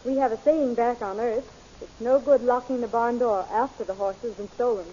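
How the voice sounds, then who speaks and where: An actress playing a concerned, kindly princess in a 1930s radio serial, on a muffled, hissy old recording. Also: female voice, on the high side, fairly even intonation, normal speed, mellow, natural voice. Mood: reassuring.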